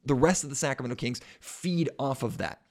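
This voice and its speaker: A man hosting a sports podcast, hoarse and congested from a cold, with a raspy voice, chatting casually and mocking himself now and then. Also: mid-range voice, lively intonation, brisk, darkish tone. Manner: self-mocking, chatty, restarts sentences.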